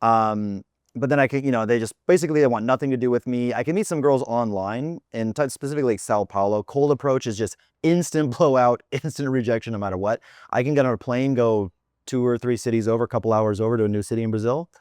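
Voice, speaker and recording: A man's voice: medium pitch, quick pace, smooth, no echo. American guy hosting a podcast, dry close sound, swears a lot, goes big for laughs. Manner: animated, profane, exaggerating for laughs. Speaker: podcast host. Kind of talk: casual chat.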